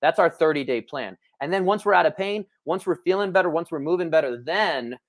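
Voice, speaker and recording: A talkative personal trainer, a man with a slightly raised pitch. He chats with energy over an online call and restarts his sentences often. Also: expressive, fairly quick. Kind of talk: casual podcast chat.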